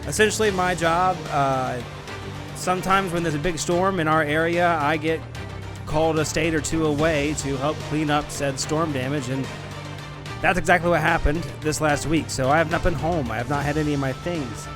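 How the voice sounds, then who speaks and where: A man's voice: fairly high pitch, fairly even intonation, normal speed. Chatty male podcaster over music. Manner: chatty, informal. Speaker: podcast host. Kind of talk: casual spoken announcement to listeners.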